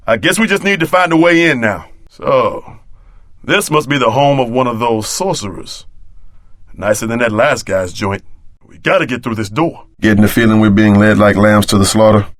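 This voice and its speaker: Low-voiced streetwise tough-guy game sidekick. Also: a bit bright, no room sound, studio quality. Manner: slangy, wisecracking, streetwise. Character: streetwise tough male sidekick, wry, wary ex-prisoner. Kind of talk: video game voice acting.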